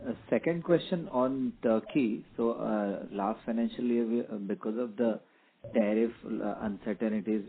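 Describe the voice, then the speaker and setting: A man asking polite, halting questions as an analyst on an earnings call. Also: on the low side. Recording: narrow phone line with faint noise.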